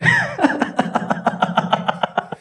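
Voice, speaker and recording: A man voicing a giggling, gossipy neighbour telling a silly tale in a classroom demonstration, breaking into laughter as he talks. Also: extremely slow. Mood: giggling, amused. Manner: breaking into laughter while talking.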